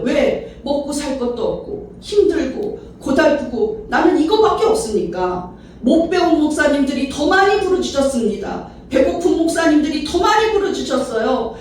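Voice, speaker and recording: A woman pastor giving an animated sermon at a church retreat, acting out the cries she quotes. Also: high-pitched, a little hiss or hum. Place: church sanctuary. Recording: echoey hall, mic at a distance.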